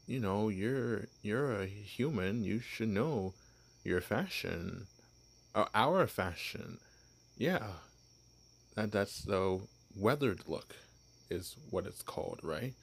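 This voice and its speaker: A man's voice: on the low side, expressive, slow pace, gravelly, slightly rough, heavily acted. A man voicing a shy, clueless young male vampire posing as human in an ASMR roleplay, stammering and apologizing. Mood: nervous bluffing.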